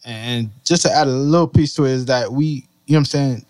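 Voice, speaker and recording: A man's voice: medium pitch, fairly quick, darkish tone, smooth, no echo. A man, a podcast guest who talks casually with lots of "like" and "you know what I'm saying". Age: 20s. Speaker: party promoter guest.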